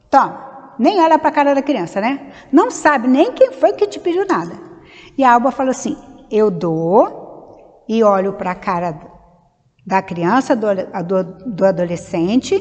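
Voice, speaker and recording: A Brazilian woman giving an informal, conversational religious study talk, wandering off on side stories and acting out small dialogues. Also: fairly high pitch. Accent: Brazilian Portuguese. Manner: conversational, digressive, acts out little dialogues. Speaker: speaker at a Spiritist study meeting. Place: meeting hall of a Spiritist center. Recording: long hall reverb.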